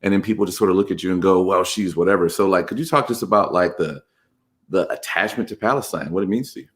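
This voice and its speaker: A man hosting a podcast, asking thoughtful, halting questions. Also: deep voice. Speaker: podcast host. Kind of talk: podcast interview.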